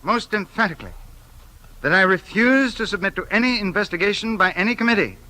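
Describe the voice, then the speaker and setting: A man's voice: high voice, expressive, fairly quick, sharp tone, slight background noise. A man playing a pompous, suspicious politician in a 1950s radio play, talking in a lawyerly, insistent way. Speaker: the Investigator.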